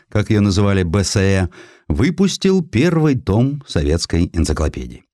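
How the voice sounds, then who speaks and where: A man reading a historical essay as an audiobook, in an expressive, theatrical and ironic storytelling manner. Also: low-pitched, dry recording, clean studio sound. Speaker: audiobook narrator.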